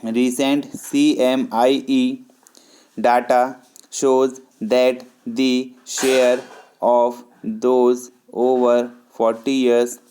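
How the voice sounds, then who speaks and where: Very slow, even-toned Indian man dictating. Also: mid-range voice, clear, resonant tone, rough recording. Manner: measured, deliberate, phrase-by-phrase delivery with pauses. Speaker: shorthand dictation reader. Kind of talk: slow shorthand dictation with spoken punctuation.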